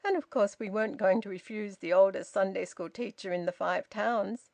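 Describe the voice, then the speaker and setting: A woman voicing a burly, bustling man who talks in a sharp, loud, authoritative way. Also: medium pitch, moderate pace, vocal fry, no room sound, close to an everyday voice. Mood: brisk.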